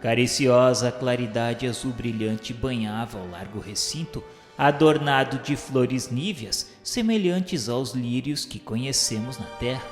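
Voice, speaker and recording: A man's voice: mid-range voice, unhurried, few pauses. A man reads a formal, reverent literary narration in a solemn scripted style. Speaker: narrator of a spiritist radio novela. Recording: echoey reverberant hall sound, music underneath. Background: music.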